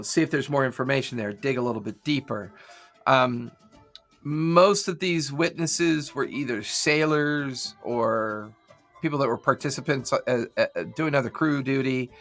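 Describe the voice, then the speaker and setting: A man's voice: medium pitch, moderate pace, a bit bright, soft background music. A man running a tabletop game as game master, narrating loosely with fillers over an online call.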